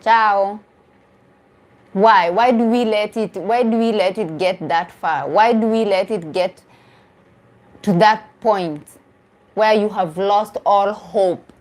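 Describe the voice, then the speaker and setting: A woman's voice: medium pitch, slow, long pauses. A woman, a dating coach chatting casually on a live stream, answering comments and repeating phrases for emphasis. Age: 40s.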